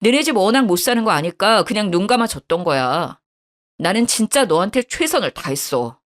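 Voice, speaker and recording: A woman's voice: medium pitch, lively intonation, moderate pace, lightly acted. A woman voicing an angry young husband who harshly accuses his wife, in a storytelling radio drama. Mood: accusing.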